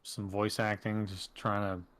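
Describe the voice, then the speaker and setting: Easygoing man with a lowish voice. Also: flat delivery, a little slow, a bit bright. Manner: easygoing, hesitant. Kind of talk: casual gaming chat. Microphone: desk microphone.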